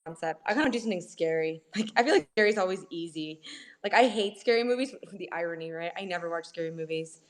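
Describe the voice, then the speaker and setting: A woman's voice: fairly low pitch, lively intonation, fast talker. A laid-back woman chats in casual slang and breaks into laughter often. She performs comedy for a living, and her talk stays loose and easygoing. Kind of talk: casual video chat.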